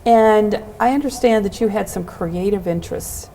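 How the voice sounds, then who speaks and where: A woman's voice: mid-range voice, moderate pace, dark tone, a little hiss or hum. A woman hosting a local access television show, introducing guests and asking them encouraging questions. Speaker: host.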